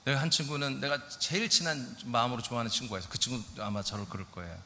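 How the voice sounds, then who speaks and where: A middle-aged male pastor preaching a lively sermon, often asking his congregation questions. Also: medium pitch, rapid-fire, a little hiss or hum. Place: church sanctuary. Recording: church hall reverb.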